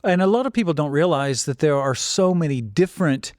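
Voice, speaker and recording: A middle-aged man hosting a podcast, chatting casually and eagerly with quick short affirmations. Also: fairly high pitch, expressive, darkish tone, no echo, clean studio sound. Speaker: podcast host. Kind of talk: casual interview chat.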